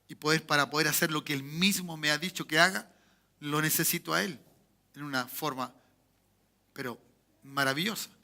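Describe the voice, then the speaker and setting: A Chilean pastor with a Chilean Spanish accent preaches from the pulpit of a church. His voice sits high for a man and rings very bright and forceful. He climbs to loud emphatic peaks, drops into quiet asides, and keeps asking the congregation for amens. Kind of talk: sermon. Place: church sanctuary.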